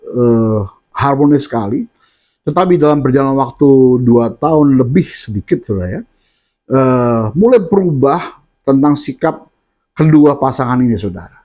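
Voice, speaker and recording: A man's voice: mid-range voice, expressive, moderate pace, mellow, dull audio. A man preaching a sermon, often addressing his listeners directly between filler sounds and restarts.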